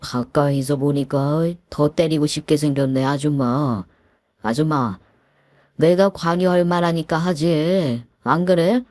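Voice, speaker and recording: A menacing young male thug, crude and bullying, as a woman acts him out. His lowered voice sneers and threatens, then flares into shouts. The sound is close and dry, like a storytelling booth. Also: measured pace, no room sound. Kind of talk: Korean audio story acting.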